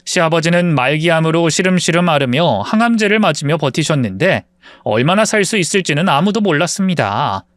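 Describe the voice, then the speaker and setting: A man narrating a dramatized first-person story in a calm, steady way. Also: fairly high pitch, a little fast, dry recording, clean studio sound.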